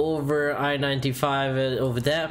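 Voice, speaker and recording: Very slowly and in a flat monotone, a man speaks with a fairly high pitch. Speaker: flight instructor and streamer. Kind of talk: flight tutorial livestream. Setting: live stream, flight simulator. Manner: casual, friendly, filler words. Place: home room. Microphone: studio mic.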